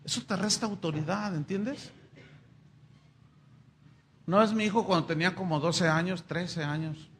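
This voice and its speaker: A middle-aged man preaches a sermon in a church, his voice pitched high with a gravelly edge. He talks to his congregation conversationally, tossing in rhetorical questions. A faint hiss sits under the recording. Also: steady tone, normal speed, pauses often, a bit bright. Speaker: pastor.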